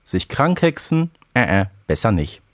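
Relaxed man podcast co-host. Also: lowish voice, unhurried. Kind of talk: casual podcast chat.

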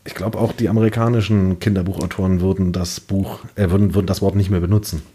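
A man's voice: low voice, little pitch movement, quick pace, warm tone, husky. A man co-hosting a podcast, speaking in a casual discussion style. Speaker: podcast co-host.

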